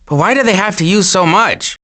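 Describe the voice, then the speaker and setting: A wisecracking cartoon animal for a video game. He is cocky and glib, with lively, swinging intonation and a breezy way with a quip. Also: high-pitched, a little fast.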